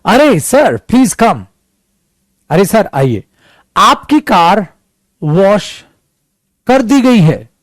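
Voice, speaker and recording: A man's voice: sits high, sing-song, extremely slow, long pauses, dry recording, heavily acted. A man with an Indian English accent playing a polite male car-wash shopkeeper who keeps saying "sir". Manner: courteous, repeats "sir".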